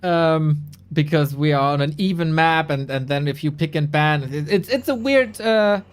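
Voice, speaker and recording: A man's voice: on the high side, normal speed, clean tone. A man from Germany, hosting a live esports broadcast and reading a sponsor spot in a chatty, playful, self-mocking way. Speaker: esports caster and host.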